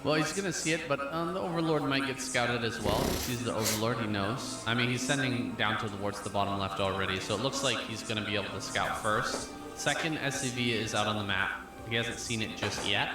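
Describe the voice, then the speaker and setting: A man's voice: medium pitch, brisk, hardly any pauses. A man commentating a competitive match live, building hype and narrating the action. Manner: energetic, hyping up the match. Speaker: esports commentator. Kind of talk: play-by-play commentary. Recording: very roomy broadcast audio with music.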